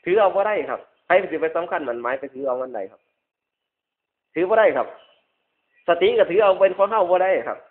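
A man's voice: high voice, animated, brisk, long pauses. A man with a northeastern Thai Isan accent giving a Buddhist sermon as a monk, repeating points emphatically with polite phrase endings. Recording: dull lo-fi radio-like recording.

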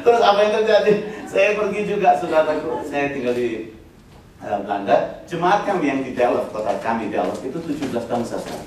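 A man's voice: mid-range voice, sing-song, a little fast, a little mellow. A middle-aged man preaching a humorous sermon, telling stories, laughing often and talking straight to the congregation. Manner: jokey, laughing often, addresses the congregation directly. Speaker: pastor. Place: church hall at a revival meeting. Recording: very echoey hall, voice from far off, congregation audible. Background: congregation noise and laughter.

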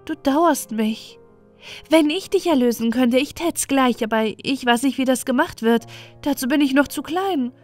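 A woman's voice: sits high, moderate pace, soft background music, pitched above the performer's own voice, lightly acted. A woman voicing a kind, eager little peasant girl, innocent and full of exclamations. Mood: sympathetic. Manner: bright-eyed, innocent, exclamatory.

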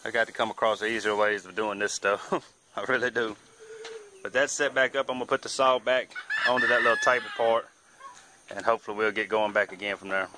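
Man, hobby woodworker, rambling and self-deprecating, phone-recorded outdoors over loud air-conditioner hum. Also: lowish voice, fairly even intonation, brisk. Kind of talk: casual workshop narration.

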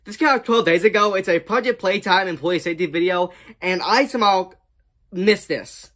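A man's voice: sits high, normal speed, a bit bright. A young man casually commenting as host of a reaction video, recorded in a small room at home. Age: young adult. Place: small bedroom full of shelves, indoors.

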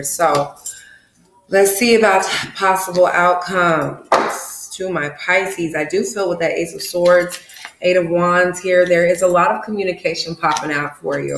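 Brief: low-voiced woman tarot reader, casual and foul-mouthed, roomy echo around her. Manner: casual and profane, frequent "okay?" check-ins.

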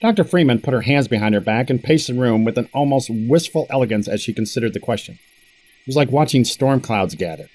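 A man's voice: medium pitch, lively intonation, brisk, a little mellow, close to an everyday voice. A man playing a wry, put-upon boss who narrates his own story in an audio drama, with dry delivery. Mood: dry, questioning. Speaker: narrator and character. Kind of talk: first-person audio drama narration and dialogue.

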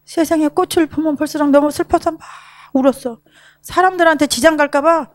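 Animated high-voiced woman in her sixties. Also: no echo, clean studio sound. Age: 60s. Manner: emotional, animated storytelling. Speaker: program participant giving a testimony. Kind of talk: personal recovery testimony.

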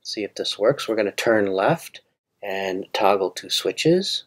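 A man's voice: lowish voice, expressive, measured pace. A man walking through a coding puzzle on screen, thinking aloud with fillers and restarts. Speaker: coding tutor. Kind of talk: screen-recorded coding walkthrough.

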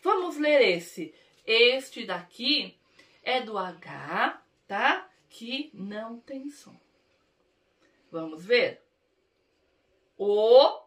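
Brazilian teacher lady sounding out syllables for little kids, high voice, super slow and drawn out. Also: sing-song, fairly bright tone. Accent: Brazilian Portuguese. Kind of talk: early literacy lesson for young children.

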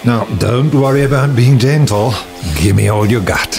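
A man's voice: medium pitch, normal speed, creaky, reverberant, over music, lightly acted. An actor playing a bored, flirtatious gay office worker man in a radio drama, hesitant and muttering asides. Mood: flirtatious, eager.

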